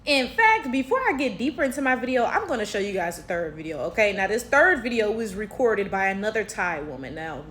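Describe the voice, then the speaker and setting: A woman's voice: fairly high pitch, a bit bright. American woman explaining things to her viewers. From United States. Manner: explains points slowly, checks in with "right?". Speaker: commentary host. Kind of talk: casual commentary to camera.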